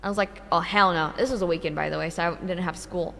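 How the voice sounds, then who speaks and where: A young woman streamer telling a true ghost story in casual, animated speech, swearing often and filling with "like". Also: lowish voice, racing, vocal fry. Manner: animated, swears a lot, many filler likes. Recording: long reverb, faint music behind.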